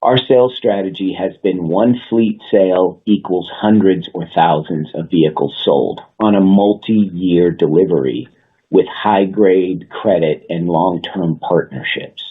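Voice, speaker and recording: Very deep-voiced man on a phone line. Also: unhurried, husky. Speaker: company executive. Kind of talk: prepared earnings call remarks. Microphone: conference call line. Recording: muffled, phone-like conference call line.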